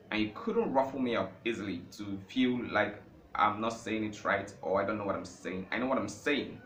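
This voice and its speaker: A man's voice: mid-range voice, bright, forceful tone. A Nigerian man, a native Igbo speaker, giving an informal talk on learning languages. He speaks emphatically, repeats phrases for stress and builds to impassioned peaks. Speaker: language teacher. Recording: echoey room with faint background noise.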